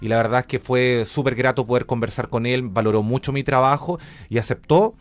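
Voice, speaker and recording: Male interview guest, Chilean accent, medium pitch, conversational, explanatory, wanders off on tangents. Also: fairly quick. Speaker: interview guest, radio drama director.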